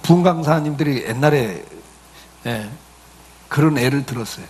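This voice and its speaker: A man's voice: medium pitch, normal speed, darkish tone, slight background noise. A middle-aged male pastor giving a conversational sermon, full of rhetorical questions and acted-out quotes.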